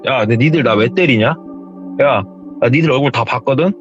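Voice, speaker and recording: A man's voice: mid-range voice, fairly quick, lo-fi sound, music in the background, natural voice. A man voicing a belligerent, hot-tempered young tough guy who bullies and threatens, in a retold horror story. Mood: threatening. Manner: menacing, threatening and bullying.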